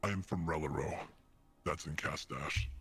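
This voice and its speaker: A man puts on a character voice. He growls his way through the lines. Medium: actual play. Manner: measured, formal.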